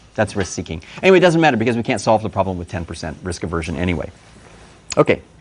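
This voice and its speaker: A man's very fast, fairly low voice with lively intonation and big swings in loudness. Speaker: university professor. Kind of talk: lecture. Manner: halting, many fillers and restarts.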